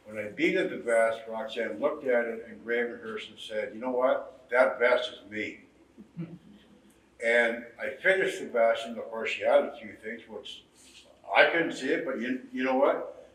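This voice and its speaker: A man, a bead artist and mentor, speaking slowly and reflectively to a gathered group, with pauses and repeats. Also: medium pitch, a bit bright. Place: indoor exhibit hall. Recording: roomy, from far off the mic.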